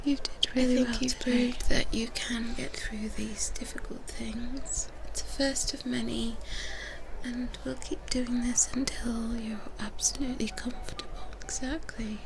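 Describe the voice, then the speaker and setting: A woman playing a gentle vampire sister in an ASMR roleplay, reassuring in a breathy whisper close to the microphone. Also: fairly high pitch, fairly even intonation, background noise. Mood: proud, tender. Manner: soothing, reassuring, slow and deliberate. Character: gentle female vampire twins soothing a young fledgling. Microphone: close microphone for headphone listening.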